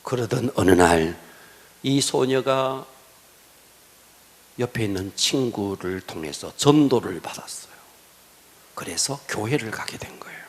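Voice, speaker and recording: A middle-aged male pastor telling a story in a sermon, dropping to hushed whispers and then rising to emphatic lines. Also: on the low side, lively intonation, unhurried, long pauses. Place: church sanctuary.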